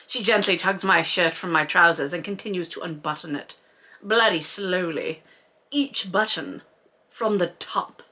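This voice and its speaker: Woman, fairly high forceful voice, sarcastic commentary, exaggerated emphasis, sweary, mocking book host. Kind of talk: comedic read-along commentary.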